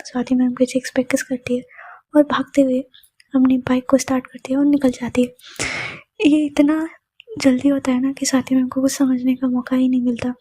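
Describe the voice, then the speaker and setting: Soft-spoken woman storyteller. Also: sits high, flat delivery, moderate pace, husky, no echo, rough recording.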